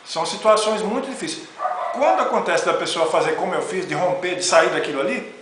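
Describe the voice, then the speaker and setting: Middle-aged man, a rambling spiritual teacher with a high voice and faint hiss behind him. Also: a little fast. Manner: rambling, repeats "né?" often. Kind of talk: informal spoken lecture. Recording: very echoey room with faint noise.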